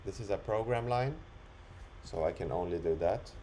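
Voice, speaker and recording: A man talking through an unscripted screen-recorded software demo, explaining it step by step in an instructional way. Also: low-pitched, moderate pace, a little hiss or hum. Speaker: software demonstrator.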